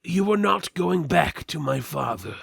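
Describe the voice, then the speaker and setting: A man's voice: a little high, very animated, measured pace, gravelly, fairly bright tone, slightly rough, no room sound, studio quality, voice pushed up, exaggerated voice. A man voicing an earnest, brawny adventuring hero in a melodramatic fantasy reading, fiercely loyal. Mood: resolute. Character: earnest, brawny axe-wielding hero loyal to his friend.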